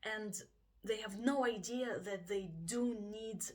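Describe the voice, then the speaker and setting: A woman's voice: medium pitch, takes it slowly. Chatty Russian-accented woman teacher. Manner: chatty, acts out students' voices, frequent laughs. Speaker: IELTS teacher. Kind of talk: casual video lesson.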